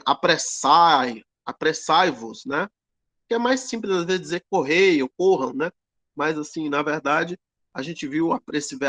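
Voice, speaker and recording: A man teaching an online grammar lesson, explaining slowly with many fillers and tag questions. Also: on the high side, a bit bright, no room sound. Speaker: Greek teacher.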